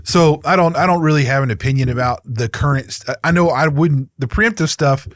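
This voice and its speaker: A man co-hosting a podcast, speaking in a hesitant, measured way with frequent restarts in casual political chat. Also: on the high side, dry recording. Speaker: podcast co-host.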